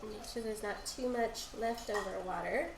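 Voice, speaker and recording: A craft streamer with a cold talks through a casual at-home dyeing tutorial on a live stream, her mid-range voice congested, nasal and gravelly at a normal speed. She rambles chattily through her explanations. The room is echoey, with a faint hiss in the background.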